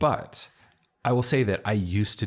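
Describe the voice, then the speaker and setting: An unremarkable speaking voice from a man, fairly low in pitch and moderate in pace, comes through a very clean recording with a silent background. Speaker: podcast host and video creator. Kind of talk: casual interview chat.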